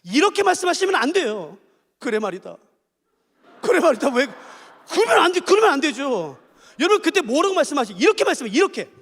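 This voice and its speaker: Male preacher, animated delivery, emphatic repeats, echoing hall. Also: extremely high pitch, fast talker. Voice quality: emphatic, repeats key phrases. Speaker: pastor. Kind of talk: sermon.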